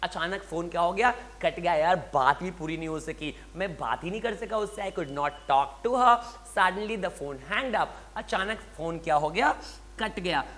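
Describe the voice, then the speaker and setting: A man teaching spoken in a bilingual lesson. He repeats example sentences slowly and deliberately, with a lively, emphatic coaching tone. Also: fairly high pitch. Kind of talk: bilingual lesson, Hindi explaining English phrases.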